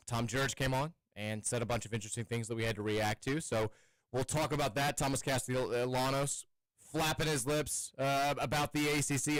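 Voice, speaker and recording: A man with kids hosts a casual sports radio show, chatting and rambling with many restarts. His medium-pitched voice is a bit bright, captured on a studio microphone with no echo, though the recording is rough.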